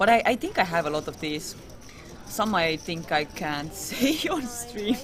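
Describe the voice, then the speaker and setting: Over music in the background, a woman with an Estonian accent speaks at a medium pitch and a fairly slow pace, her pitch swinging very widely. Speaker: poker co-commentator. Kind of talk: live commentary. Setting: live stream.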